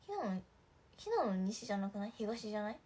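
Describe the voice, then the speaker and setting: A woman's voice: medium pitch, big pitch swings, fast, dark tone, breathy edge. A young woman chatting casually on a livestream, giggling often and talking to viewers' comments. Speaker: idol livestream host.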